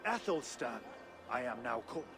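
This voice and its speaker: An actor playing a genial Danish warlord turned Christian convert in a game cutscene, stately and reflective in manner. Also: male voice, mid-range voice, big pitch swings, moderate pace, lightly acted. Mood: calm, proud. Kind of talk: dramatic video game cutscene acting. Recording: music behind.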